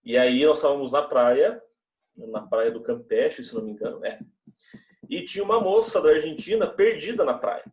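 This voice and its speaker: A man's voice: on the high side, sing-song, normal speed, darkish tone. A young man teaching religious education, talking to his students in a loose, conversational way with frequent tag questions. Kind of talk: classroom talk to students. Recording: echoey room, mic at a distance.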